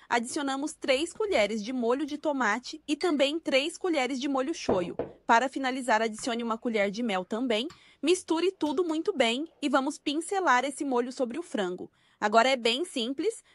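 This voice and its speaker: High-pitched Brazilian woman narrating a recipe. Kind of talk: scripted cooking tutorial narration.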